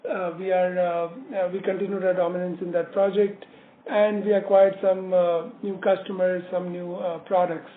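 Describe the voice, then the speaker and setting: Higher-pitched man on a phone line. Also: flat delivery. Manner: halting, hesitant delivery with frequent filler words. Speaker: company executive presenting quarterly results. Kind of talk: business presentation on an earnings call. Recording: narrowband phone line, roomy echo, slight noise.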